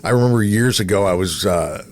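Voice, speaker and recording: A middle-aged man from Minnesota with a fairly low voice hosts a relaxed conversation. He rambles through questions and stories, circling back and repeating words as he goes. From Minnesota, United States. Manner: rambling, halting, repeats himself. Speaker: podcast co-host, radio veteran. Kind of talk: casual conversational interviewing.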